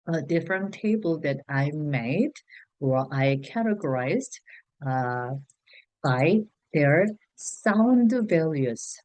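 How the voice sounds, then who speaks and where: A woman with a Korean accent, a native Korean speaker, teaching a language lesson slowly, pausing on fillers and restarting her sentences. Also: on the low side, a little mellow, no room sound. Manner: hesitant, many "uh" fillers and restarts. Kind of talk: slow explanatory lesson for learners.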